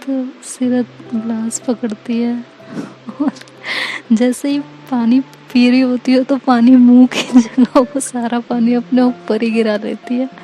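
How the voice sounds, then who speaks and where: A woman telling a romantic story in a relaxed, conversational way, narrating plainly between the characters' lines. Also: on the high side, slow, low-quality recording. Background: faint music.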